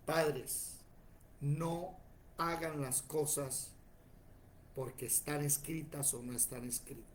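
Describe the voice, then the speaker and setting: Preacher, male, forties, voice sits a bit high, animated storyteller who acts out the people in his stories. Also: slow, long pauses, a little hiss or hum. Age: 40s. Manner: animated, tells stories acting out other voices. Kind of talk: sermon with personal stories. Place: church.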